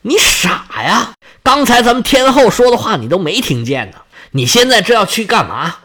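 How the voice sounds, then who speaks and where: A man's voice: on the high side, big pitch swings, normal speed, fairly bright tone, husky, pitched below the performer's own voice, exaggerated voice. A man voicing a stern female goddess who scolds a hot-headed god in an exasperated way. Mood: scolding.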